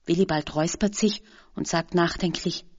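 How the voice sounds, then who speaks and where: A woman narrates a children's story in a calm, even storytelling manner. Her voice sits low and sounds husky and breathy. The recording is dull and lo-fi. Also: normal speed. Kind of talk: storybook reading.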